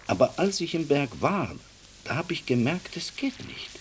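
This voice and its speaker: An actor in a radio play voicing a devout, impassioned Jewish man who speaks haltingly, at times dropping to a whisper. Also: fairly high pitch, sing-song, a little hiss or hum. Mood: awed, resolute.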